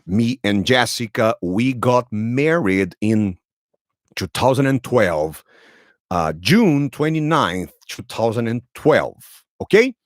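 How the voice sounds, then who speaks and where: Slow, lively Brazilian man retelling for learners. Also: medium pitch, no room sound, studio quality. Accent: Brazilian Portuguese. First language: Portuguese. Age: 30s. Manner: repeats and rephrases each sentence for learners. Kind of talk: slow storytelling lesson for learners.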